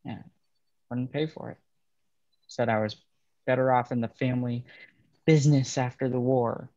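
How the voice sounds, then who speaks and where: A man playing a bitter young railroad worker in a dramatic table read, speaking in a halting, understated way. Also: medium pitch, fairly even intonation, warm tone, highs cut off, natural voice. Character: bitter young railroad man estranged from his ruthless father.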